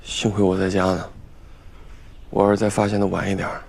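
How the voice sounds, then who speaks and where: A man's voice: low-pitched, completely flat delivery, fairly quick, gravelly, a little mellow. An actor playing a guilt-ridden young man who pleads desperately with his father. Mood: pleading. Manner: desperate, pleading, tearful outbursts. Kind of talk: TV drama acting.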